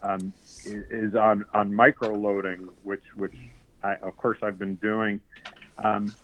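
A man calling in to a radio show over the phone, halting and repeating his words. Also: fairly low pitch, level tone, a bit bright, rough recording. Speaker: caller. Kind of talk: call-in radio chat.

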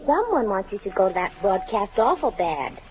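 A woman playing a sassy, disapproving wisecracker with a husky voice in a 1940s radio drama. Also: medium pitch, sing-song, normal speed, close to an everyday voice. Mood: sassy, teasing. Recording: tinny, muffled old radio recording.

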